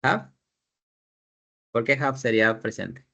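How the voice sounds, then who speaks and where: A man's voice: mid-range voice, takes it slowly, vocal fry, pushed and bright, lo-fi sound. A man teaching an English class, explaining grammar in Spanish, repeating his students' sentences and asking guiding questions.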